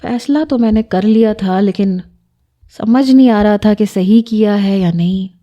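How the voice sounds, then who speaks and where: Mellow-voiced woman narrating a story. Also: medium pitch, steady tone. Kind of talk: scripted first-person story narration.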